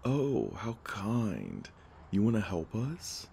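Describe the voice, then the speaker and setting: A man's voice: fairly low pitch, wildly swooping pitch, slow pace, vocal fry, warm tone, breathy edge, heavily acted. A man playing a taunting, hungry male vampire gang leader in an audio roleplay, with a sneering, swaggering delivery. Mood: mocking menace.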